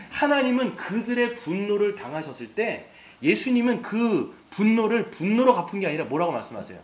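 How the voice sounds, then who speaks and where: A male pastor preaching a sermon with emphasis, putting rhetorical questions to his congregation. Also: high voice. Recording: roomy echo.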